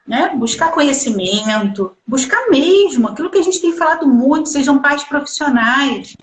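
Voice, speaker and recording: Woman host on a live call, insistent, kinda high voice, roomy echo. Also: expressive, normal speed. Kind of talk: live-stream conversation on parenting. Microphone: video call. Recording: echoey room.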